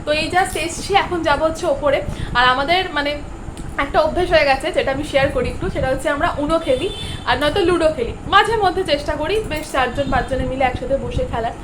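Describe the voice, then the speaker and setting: A woman's voice: high voice, fast. A young woman vlogging her day in a chatty way, mixing in English words, filmed on a phone at home and on busy streets. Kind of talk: casual daily vlog chat. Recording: noisy street and room background.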